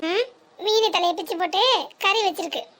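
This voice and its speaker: A woman voicing a sharp-tongued young daughter-in-law in a cartoon comedy, sarcastic and quarrelsome, with a southern Tamil Nadu accent. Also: very high voice, a little fast, noisy background.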